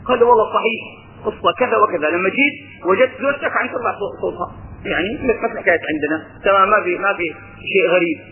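A man with a Levantine Arabic accent gives a religious lesson in a fairly high voice. He moves between casual dialect and recited verses and keeps asking rhetorical questions. The sound is thin and tinny, like a phone line. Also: very fast. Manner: lively, mixes colloquial talk with recited verses, asks rhetorical questions. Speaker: religious teacher.

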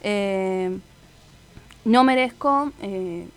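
A woman's voice: medium pitch, drawn-out words, faint music behind. A woman hosting a radio show, chatting casually with many fillers and self-corrections. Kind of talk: casual radio chat about a TV series.

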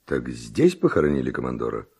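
A brazen, impulsive Spanish seducer in a theatrical radio drama. The voice is very low, husky and dark, and it swings expressively through unhurried verse. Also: male voice, huge pitch swings, full character voice. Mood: curious, brusque.

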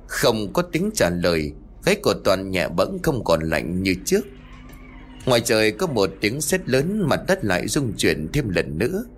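Low, animated male horror storyteller. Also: normal speed. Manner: steady, suspenseful telling. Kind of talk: scripted horror narration. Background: faint music.

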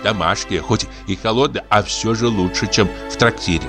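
A man's voice: on the low side, normal speed, music in the background, natural voice. A man voicing a fretful, pious old mother who fusses and sighs. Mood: fussing. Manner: fussing, sighing, pious exclamations.

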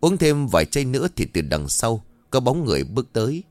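A man narrating a scripted ghost story in an expressive, dramatic way. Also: medium pitch, fairly quick, no echo, faint music behind.

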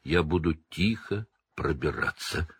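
A man voicing a hoarse, haunted escaped male prisoner in a storybook reading. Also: a bass voice, a little slow, no echo, pitched below the performer's own voice, heavily acted. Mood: hoarse pleading.

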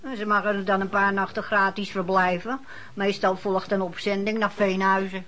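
A woman's voice: mid-range voice, little pitch movement, moderate pace, fairly bright tone, lightly acted. An actress playing a matter-of-fact lodging-house woman in a Dutch radio play.

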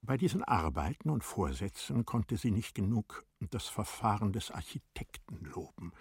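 Deep, husky male literary narrator. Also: no room sound, clean studio sound. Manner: measured, formal storytelling.

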